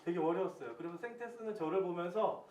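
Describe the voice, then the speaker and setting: A pastor in his thirties giving a sermon as lively storytelling, acting out his own prayers. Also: high voice, fast talker. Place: church hall. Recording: echoey church hall, distant mic, faint hiss.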